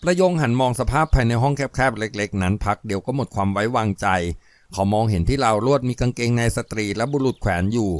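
A man narrates a novel aloud in a steady storytelling voice. His pitch sits in the middle range. The recording is close and dry. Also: fast talker, dry recording.

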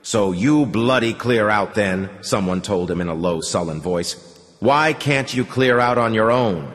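A man's voice: fairly low pitch, expressive, unhurried. A man voicing a sullen, scornful man who grumbles at the speaker. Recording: long hall reverb.

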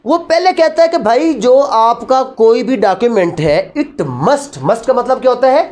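High-pitched Pakistani woman lecturing. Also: animated, measured pace, a little mellow. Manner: didactic, asks rhetorical questions and answers them; mixes Urdu with English legal phrases. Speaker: law teacher. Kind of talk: classroom lecture.

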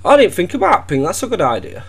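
A man's voice: sits high, quick pace, creaky. A young man from Wales trolling an opponent over game voice chat in a mock-innocent, sarcastic way. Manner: teasing, deadpan, mock-innocent. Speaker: gaming video creator trolling an opponent.

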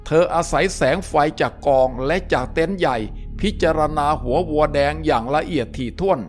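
A male storyteller reads an adventure novel aloud in a steady, descriptive manner. His voice sits somewhat high for a man. Faint music plays underneath. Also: moderate pace. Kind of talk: audiobook-style story narration.

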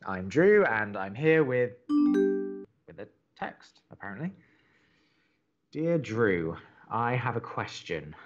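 An earnest young theatre buff hosting college radio in an audio drama. He is wordy and opinionated, stumbling a little as he goes, at a middling male pitch. The sound is slightly dull and muffled. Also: very animated, slow pace, pauses often, loud music behind the voice. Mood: reluctant, exasperated. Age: young adult. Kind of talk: audio drama acting, conversational radio banter.

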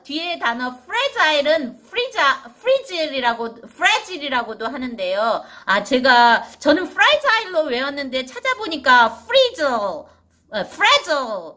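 Bright lively woman teaching vocabulary. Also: high-pitched. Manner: drawn-out repeated English words, chatty. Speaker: English teacher for parents. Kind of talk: casual spoken vocabulary lesson.

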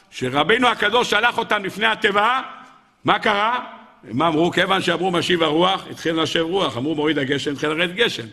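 A rabbi giving a Hasidic story sermon in Israeli Hebrew, animated and acting out the characters in raised voices. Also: male voice, high-pitched.

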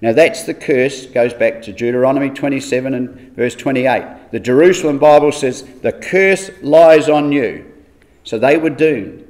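A man giving an earnest Bible study exhortation, measured and steady, asking rhetorical questions as he works through the verses. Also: medium pitch.

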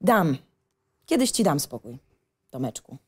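A young woman with a soft, mellow tone and very lively intonation, played by an actress in a radio play. She is a secret lover, intimate, teasing and reproachful. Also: low voice, measured pace, husky, exaggerated voice. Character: Alicja, a teasing, conflicted 25-year-old secret lover. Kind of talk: screenplay table reading as radio play.

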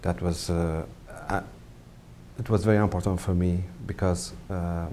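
A middle-aged man from Afghanistan, a photographer, speaking English as a second language in a halting interview to camera with many pauses and fillers. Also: deep voice, level tone, mellow, a little hiss or hum. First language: not English. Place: indoor studio set with brick wall.

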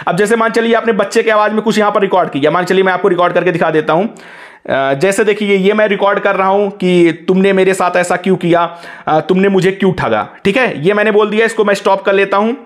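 A man's voice: sits high, quick pace. A man hosting a tech tutorial, narrating over a phone screen recording and keeping on at viewers to look as he shows each step. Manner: instructive, keeps saying "look" to guide viewers.

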